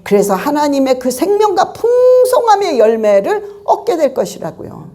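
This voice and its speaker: A woman's voice: high-pitched, moderate pace. A woman pastor preaching a sermon in church, telling stories and acting out the people in them. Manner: animated storytelling, acting out quoted people.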